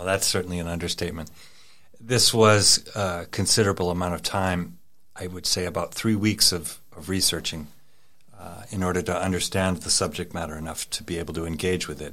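A man with an American accent talks at a fairly quick pace, his pitch very deep and low. The tone is bright and sharp, and the intonation stays fairly even. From US Northeast, Vermont. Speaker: staff writer. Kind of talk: casual chat; reading aloud.

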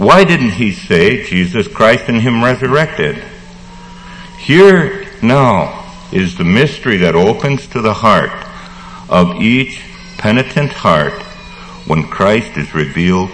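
The speech moves at a very slow pace with long, frequent pauses and very wide pitch swings. Noticeable background noise runs underneath. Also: man, medium pitch for a man. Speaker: preacher. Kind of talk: sermon delivered live to a congregation, with direct rhetorical questions. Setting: church. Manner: earnest and fervent, pleading with listeners as 'dear fellow traveler'; formal, archaic biblical phrasing.

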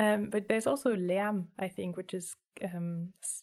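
At a fairly slow pace, a woman speaks in a medium-pitched voice with fairly even intonation. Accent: German. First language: German. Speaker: podcast host. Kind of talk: interview podcast conversation.

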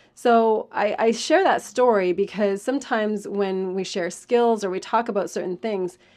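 A woman with an unremarkable speaking voice and a Canadian accent speaks at a fairly slow pace, her medium pitch showing ordinary variation against a quiet background. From Canada. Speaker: podcast host and executive coach. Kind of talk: solo podcast talk on leadership skills.

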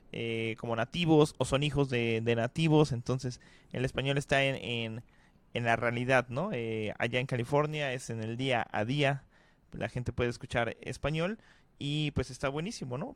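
A man speaks in a plain, everyday voice at a moderate pace, with medium pitch and ordinary pitch variation. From Mexico. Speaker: podcast co-host. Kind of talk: casual chat.

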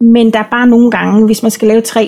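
A woman talks at a fairly quick pace, her voice somewhat breathy and fairly high in pitch. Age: 40s. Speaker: canteen manager. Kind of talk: interview. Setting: video call.

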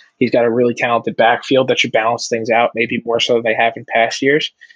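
Speaking at a very fast pace, a man with an American accent keeps a monotone, flat intonation at medium pitch. The recording is dry and close, without echo. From New York. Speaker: sports podcast co-host. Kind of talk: casual chat.

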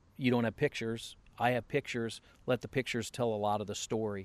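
A man's normal speaking voice, medium in pitch with fairly even intonation at a moderate pace, dry and close with no echo, on a very clean recording with a silent background. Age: 50s. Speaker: TV sports play-by-play broadcaster. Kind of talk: interview.

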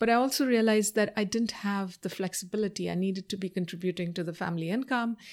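A woman talks at a very fast pace with hardly any pauses. Her medium pitch has ordinary variation. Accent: Indian. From India (Mumbai). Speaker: professor and nonprofit leader. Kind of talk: podcast interview.

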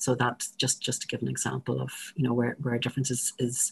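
A woman with a Northern Irish accent. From Northern Ireland. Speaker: chief executive of alcohol advocacy charity. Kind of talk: interview. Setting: remote podcast recording. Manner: halting.

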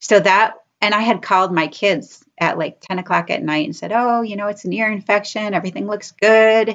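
With an American accent, a woman speaks at medium pitch and a moderate pace in a normal speaking voice. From Rochester, New York. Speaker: former nurse and animal project founder. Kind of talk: casual interview.

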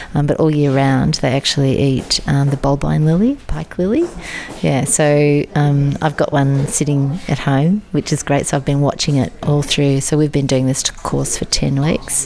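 A woman with an Australian accent speaks at a very deep, low pitch and a fairly slow pace, her intonation fairly even and her loudness very even. Noticeable background noise runs beneath her. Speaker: cooking course student. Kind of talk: interview. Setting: kitchen during feast preparation.

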